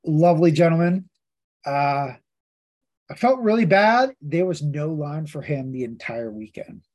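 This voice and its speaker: A man with a slightly raised pitch, chatting casually on a comics podcast. He tells long convention stories full of asides, retelling what people said to him. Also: expressive, measured pace, a little mellow, dull audio. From Pittsburgh. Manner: chatty, storytelling with many asides and quoted voices. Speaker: podcast co-host. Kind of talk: casual chat.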